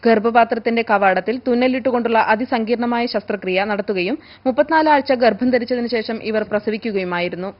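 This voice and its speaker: A woman narrates the news from a script. Her voice sits a little high, and her reading is formal and measured. The audio is somewhat muffled and lo-fi. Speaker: news reader. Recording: dull, lo-fi broadcast audio.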